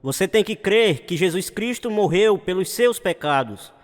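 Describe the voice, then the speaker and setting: A man's voice: high-pitched, expressive, normal speed. An actor playing an earnest male evangelist delivering a sermon of salvation in a radio drama. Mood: earnest, exhorting. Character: earnest male evangelist preaching to a crowd through loudspeakers. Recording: long hall reverb, like loudspeakers.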